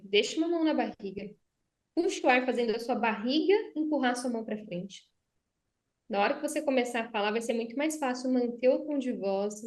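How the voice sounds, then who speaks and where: A Brazilian woman, a speech therapist, explaining voice and breathing techniques in conversation and demonstrating them. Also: on the high side. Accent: Brazilian Portuguese. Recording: roomy echo.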